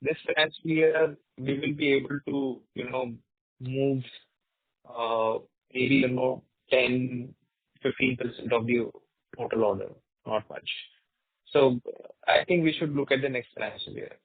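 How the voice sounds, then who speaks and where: A man answering questions as a company executive on an earnings call, explaining in a halting way. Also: medium pitch, steady tone, husky, no echo. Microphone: conference phone call. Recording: narrow tinny phone line.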